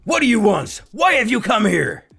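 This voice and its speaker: A man's voice: high-pitched, sing-song, normal speed, gravelly, fairly bright tone, breathy edge, voice pushed up, heavily acted. A man voicing a rude, distrustful alien village child with a whiny, blunt manner in a cartoon story. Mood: alarmed.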